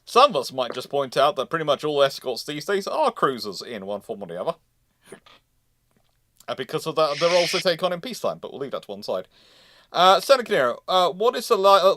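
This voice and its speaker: Male livestream host, slightly high voice, casual panel chat, halting when reading questions, very dry sound. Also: fairly bright tone, dry recording.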